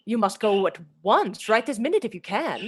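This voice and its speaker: A haunted young bride-to-be in a radio drama. Her pitch moves freely and expressively, with a dreamy, fragile and tender delivery. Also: sing-song, normal speed, slightly rough. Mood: tender, earnest. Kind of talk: live radio play acting.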